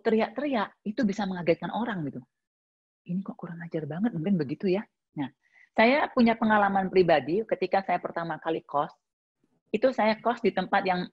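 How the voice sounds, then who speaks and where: A woman's voice: fairly low pitch, lo-fi sound. A woman giving a casual, reflective talk, answering a listener's question with plenty of everyday examples. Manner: conversational, uses many examples and fillers.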